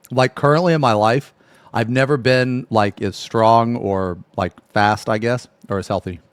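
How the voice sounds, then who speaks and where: On a relaxed live stream, a thirtysomething man near forty reads messages from viewers, laughs often, and lets sentences fade into a stretched-out "man." He speaks at a fairly low pitch with no echo.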